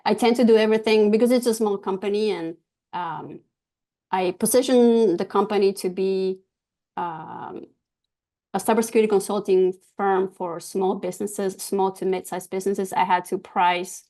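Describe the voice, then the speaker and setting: A woman from Argentina whose first language is Spanish, a guest talking about her business in an interview, pausing often with ums and restarts. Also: mid-range voice, a little mellow. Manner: hesitant, many ums and restarts. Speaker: guest, cybersecurity business owner. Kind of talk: casual interview talk.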